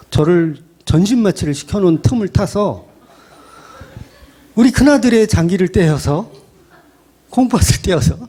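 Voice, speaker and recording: A man's voice: high voice, mellow. A middle-aged man, a pastor preaching a sermon in a conversational style, acting out quoted voices.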